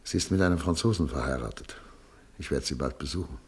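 A man acting in a German radio play as a weary, dignified émigré doctor, grave, deliberate and melancholy. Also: very deep voice, husky, full character voice. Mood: wistful.

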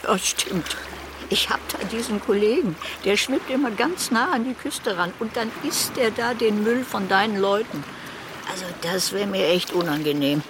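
Radio drama: actress as nonchalant, chatty old female sea animal, conversational and deadpan, with clear water noise behind. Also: medium pitch, moderate pace, natural voice. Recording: loud splashing water behind the voice. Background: sea water splashing and trickling.

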